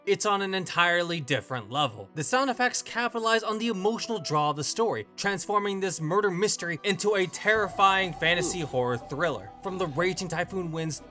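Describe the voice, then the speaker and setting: A man delivers a scripted review with dramatic emphasis. His voice sits high for a man and swings widely in pitch. Faint music plays underneath. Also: bright, forceful tone. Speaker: visual novel reviewer. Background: background music.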